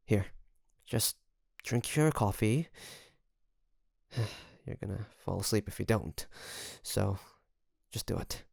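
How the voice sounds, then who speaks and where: A man playing a secretly obsessive best friend in an intimate audio roleplay, coaxing and hesitant, with sighs and pauses. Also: fairly low pitch, expressive, vocal fry, darkish tone, breathy edge, dry recording, clean studio sound, full character voice. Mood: gently nagging.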